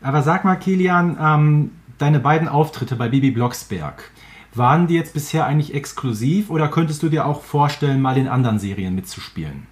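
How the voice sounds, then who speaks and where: Man, fairly high voice, podcast interviewer, polite, careful phrasing. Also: expressive, brisk.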